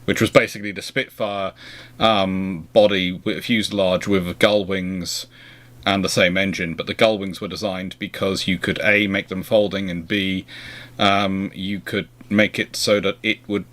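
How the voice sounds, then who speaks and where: A British man hosts a naval history question and answer show, his low voice level, fairly bright, and measured in pace. It's casual, rambling explanatory chat, and he rephrases as he thinks aloud.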